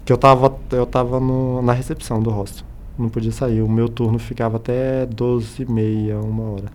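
A man's voice: medium pitch, moderate pace. Brazilian man telling stories over background noise. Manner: animated retelling with acted-out dialogue. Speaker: podcast guest. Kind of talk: casual anecdotal storytelling.

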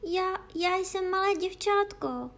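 A woman doing a high indignant little girl. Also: expressive. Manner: raised girlish voice, drawn-out, indignant. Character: young girl, polite but easily offended.

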